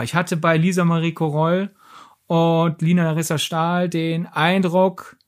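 A podcast co-host of medium pitch in a casual film discussion, talking in a rambling, analytical way. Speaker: podcast co-host reviewing films.

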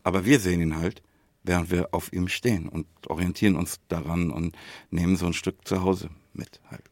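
A man with a German accent chatting casually as a podcast co-host, thinking aloud haltingly and often adding little tag questions. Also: low-pitched, fairly even intonation, no echo.

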